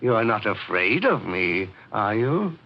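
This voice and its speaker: A man's voice: fairly low pitch, very animated, a little slow, exaggerated voice. An actor playing a polite but stubborn, watchful male servant, formal and insinuating in 1940s radio mystery style. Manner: formal, deferential yet insinuating. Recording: muffled, noisy old-time radio recording.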